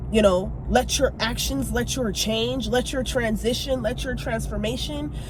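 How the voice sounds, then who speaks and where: Noticeable background noise and audible room echo surround a woman who talks at a fairly slow pace. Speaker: tarot reader. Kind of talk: spiritual guidance monologue. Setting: in a car in a garage. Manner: loud; casual.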